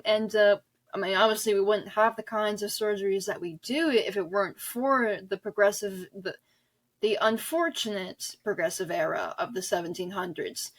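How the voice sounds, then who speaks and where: A woman's voice: fairly high pitch, a bit bright. A woman guest in a conversational podcast interview, talking in an earnest, emphatic, rambling way. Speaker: interview guest, author and audio drama director.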